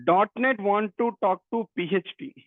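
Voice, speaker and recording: A man's voice: high-pitched, moderate pace, no echo. A man from Telangana, a native Telugu speaker with a Telugu Indian English accent, teaching programming interactively and repeating his phrases and questions. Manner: repeats phrases and questions, often addressing students. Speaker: programming instructor. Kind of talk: interactive online technical lecture. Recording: narrow phone-like line.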